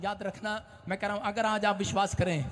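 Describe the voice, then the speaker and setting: A man preaching a sermon as a pastor, shouting and acting out scenes as he tells stories. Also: high voice, level tone, brisk. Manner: shouting, dramatic storytelling. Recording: long hall reverb.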